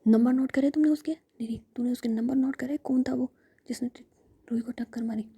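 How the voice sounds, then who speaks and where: A woman's voice: on the high side, steady tone, fairly quick, warm tone, husky. A woman whispering the lines of a hot-tempered, protective young woman who scolds the others in a told story. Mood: scolding.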